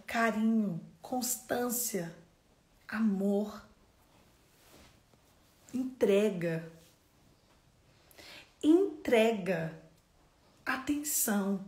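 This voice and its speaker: A woman's voice: mid-range voice, darkish tone, echoey room. A woman preaching a sermon with storytelling, asking her listeners questions and repeating key phrases. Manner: asks the audience many questions.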